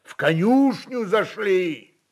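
A man's voice: sits high, lively intonation, slow pace, voice pushed up, full character voice. A man voicing a stern, scornful church metropolitan in a dramatised literary reading, speaking in a commanding, scolding way. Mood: stern, indignant.

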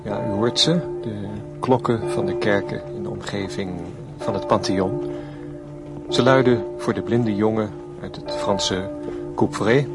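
A male actor in a radio play as a solemn reporter giving measured live commentary on a procession, with small hesitations. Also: on the low side, vocal fry. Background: church bells, music.

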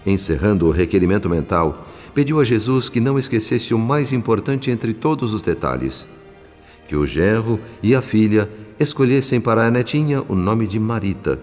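A humble spirit narrator played by a man tells a radio drama story with solemn, measured delivery. The voice is very low, carried by long reverb over soft music. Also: expressive, natural voice. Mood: solemn, compassionate.

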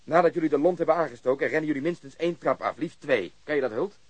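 An actor playing a blunt, impatient police officer who takes command, curt and sardonic, in a radio drama. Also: male voice, fairly high pitch, fast, dry recording, close to an everyday voice.

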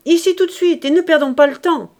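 A woman doing a loud, bossy scheming old father. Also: very high-pitched, brisk, pitched above the performer's own voice. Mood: angry. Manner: shouting, bossy. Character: gruff scheming poor old father shouting orders.

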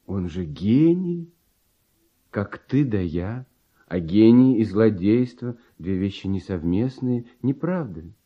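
An actor playing a lighthearted, trusting young genius composer, speaking verse lyrically and theatrically in a classic Russian radio drama. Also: male voice, on the low side, big pitch swings, slow, full character voice. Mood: earnest. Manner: lyrical, theatrical verse delivery with sweeping intonation. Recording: dull, muffled archival radio recording.

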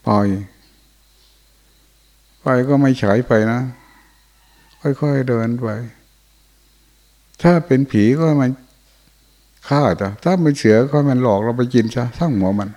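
A man's voice: mid-range voice, animated, takes it slowly, pauses often, warm tone. An older man, a Buddhist monk, giving an informal dharma talk in a monastery hall, telling folksy stories and often chuckling.

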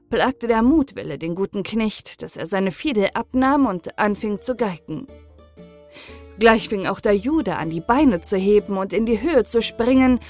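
A woman reads a fairy tale aloud in a lively, expressive way. Her voice sits somewhat high, and a soft bed of music plays faintly behind her. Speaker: audiobook narrator. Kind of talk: storytelling reading of a fairy tale.

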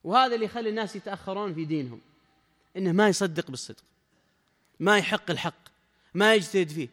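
Emphatic male scholar, fast. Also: high voice, fairly bright tone, long reverb tail. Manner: emphatic, repeats key phrases, addresses listener directly. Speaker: Islamic scholar giving a lesson. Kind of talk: religious lesson.

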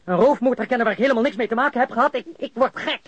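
A man's voice: very high voice, rapid-fire, a bit bright, no room sound, lo-fi sound. An actor playing an agitated prisoner who protests his innocence, pleading and stammering in a radio crime drama. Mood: desperate, indignant.

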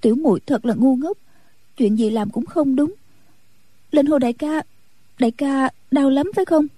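A woman voicing a timid, tender young nun in a storybook reading, in a soft, anxious, pleading way. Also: sits high, moderate pace, no echo, pitched above the performer's own voice, natural voice. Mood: worried.

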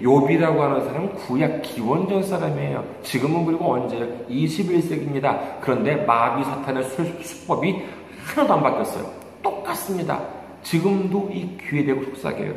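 A man's voice: on the high side, moderate pace, gravelly. A male pastor giving a sermon, emphatic and full of rhetorical questions to the congregation. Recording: echoey hall reverb, faint noise.

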